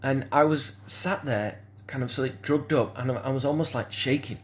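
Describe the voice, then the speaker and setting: A man's voice: mid-range voice, moderate pace. A man, speaking in a rambling, hesitant monologue full of fillers and restarts. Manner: hesitant, repeats "kind of sort of", restarts often.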